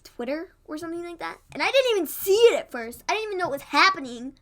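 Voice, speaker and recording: Bright high-voiced woman chatting about wrestling. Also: very animated, fast talker. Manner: chatty, laughs often, acts out quotes. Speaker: podcast co-host. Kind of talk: casual wrestling recap chat.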